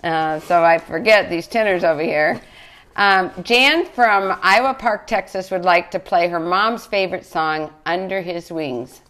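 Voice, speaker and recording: A woman's voice: lowish voice, measured pace, a bit bright. A middle-aged woman hosting a worship music show, chatting cheerfully and laughing easily between hymns, on a lapel mic in a living-room studio. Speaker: host. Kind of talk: casual chat between hymns. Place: cozy indoor living-room studio set.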